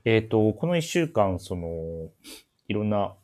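A man with a very deep, slightly mellow voice hosts a menswear shop's radio show, introducing clothes in a casual yet polite manner. His delivery is sing-song and a little slow, and he often hesitates, thinking aloud as he goes.

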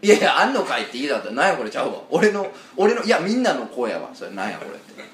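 A man with a Kansai accent hosting a casual podcast chat, teasing and quick with banter that breaks into laughter. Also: mid-range voice, wildly swooping pitch, a bit bright. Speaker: podcast host. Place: karaoke booth. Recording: echoey karaoke room, faint hiss.

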